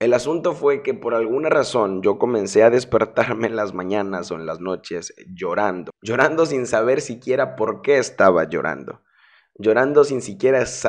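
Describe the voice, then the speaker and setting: A man at medium pitch with lively intonation and a moderate pace, over a quiet background. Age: 20s. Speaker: gaming youtuber. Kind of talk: personal testimony to camera. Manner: halting. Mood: sad, reflective. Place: home room. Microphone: studio mic.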